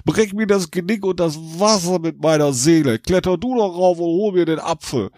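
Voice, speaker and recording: A man's voice: high voice, moderate pace, darkish tone, no echo, voice pushed up, close to an everyday voice. Whiny drunk blacksmith, raised strained voice, dry mic, played by a man. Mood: wheedling. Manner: whining, pleading.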